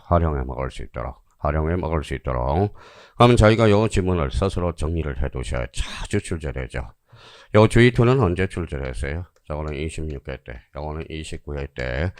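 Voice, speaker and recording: A low-voiced man gives an online exam-prep lecture in a dry, close recording. His pitch swings widely as he fires quick questions at his students and answers them himself. He repeats key phrases to drive them home. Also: darkish tone, no echo.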